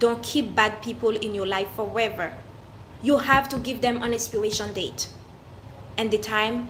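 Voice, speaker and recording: Speaking with a strong non-native accent, a woman uses a fairly high pitch and fairly even intonation at a fairly slow pace. Long, frequent pauses mark her speech, and the room echo is audible. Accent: strong foreign. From Haiti. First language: Haitian Creole. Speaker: motivational vlogger. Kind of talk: livestream monologue. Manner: impassioned.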